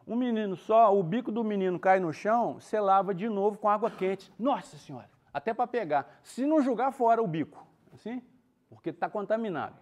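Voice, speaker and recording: A man's voice: high-pitched, expressive, a little fast. A man gives a spiritist talk. He speaks in a colloquial, storytelling way, with touches of humor between the points of his teaching.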